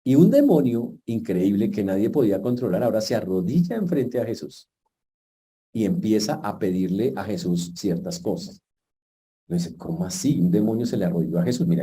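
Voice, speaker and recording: Male pastor, very dark and mellow voice, lively storytelling sermon with asides to the church. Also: on the low side, brisk, a little hiss or hum. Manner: lively storytelling preaching with jokes and asides to the congregation.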